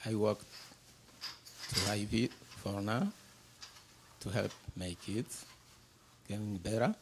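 A middle-aged man from Burundi introducing himself as a panel guest in a classroom, speaking haltingly with many pauses into a handheld mic. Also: fairly low pitch, background noise. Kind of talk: personal introduction.

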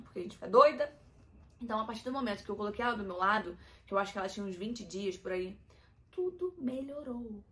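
A young adult woman with a Brazilian Portuguese accent, talking candidly and emotionally to her viewers in a personal vlog. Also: mid-range voice. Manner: emotional, confiding, addresses viewers as "gente". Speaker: vlogger.

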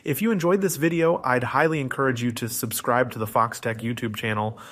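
A man's voice: medium pitch, fairly even intonation, a little fast, fairly bright tone. A man presenting a tech tutorial in scripted, explanatory narration, going through it methodically step by step.

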